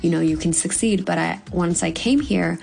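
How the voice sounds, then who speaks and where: A woman in her twenties from Hong Kong, a young actor giving earnest, measured interview answers with the odd "um". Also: on the low side, creaky, a little mellow, poor audio. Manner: earnest, measured, with frequent ums. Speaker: guest actor.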